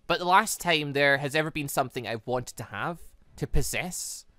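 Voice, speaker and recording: A gaming host plays a commanding villainess from a visual novel. She speaks with deliberate, low-key control and a possessive edge. The recording is close and dry. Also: pushed and bright, no room sound, natural voice. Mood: cool, possessive. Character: coolly possessive, commanding villainess plotting her mission.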